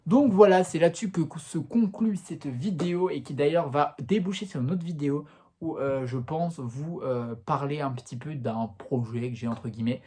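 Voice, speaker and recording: A young man talks his way through a casual vlog, chatty and full of slang, with lots of little fillers. His voice is mellow and warm, and his pitch jumps up and down as he talks. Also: normal speed. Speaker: YouTuber. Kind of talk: casual vlog, showing off clothes.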